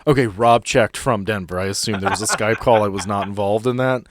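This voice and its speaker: A man's voice: on the low side, brisk, no echo. A man hosting a tabletop game podcast as game master, chatting casually, joking, swearing freely and interrupting himself.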